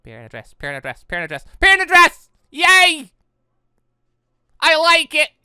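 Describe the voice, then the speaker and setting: An excitable, chatty let's player giving casual reaction commentary on a video game. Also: very high voice, normal speed, no room sound, clean studio sound.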